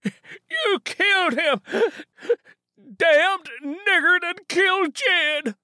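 A man voicing a hostile, hysterical old white man who shrieks and yells in an audiobook. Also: sing-song, a little slow, slightly rough, no room sound, clean studio sound, full character voice. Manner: shrill, yelling.

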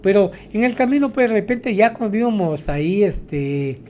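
A man's voice: sits high, expressive, normal speed, a little mellow, a little hiss or hum. A man, a taxi driver, telling his stories in a rambling way, tagging his sentences with "¿no?". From Mexico. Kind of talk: storytelling interview.

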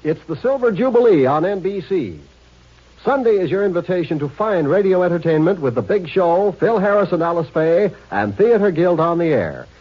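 Old radio promo guy, high announcer voice, scripted, muffled recording. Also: expressive, moderate pace. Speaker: network announcer.

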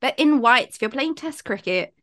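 A woman's voice: high voice, animated, moderate pace, fairly bright tone. A woman from India co-hosting a casual sports podcast, talking in a gushing, emphatic way. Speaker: podcast co-host.

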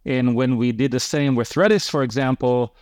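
Guy being interviewed, lots of uhs and restarts, dry close sound, middle pitch. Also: moderate pace, a little mellow, no echo. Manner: hesitant, many fillers and restarts. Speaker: guest, company co-founder and CEO. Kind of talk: casual interview conversation.

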